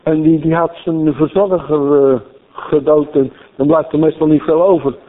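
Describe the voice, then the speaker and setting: A man with a high voice preaches a storytelling sermon. He is animated and keeps repeating phrases for emphasis. The broadcast sounds thin and narrow, like a telephone line. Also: moderate pace. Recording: thin phone-like radio broadcast.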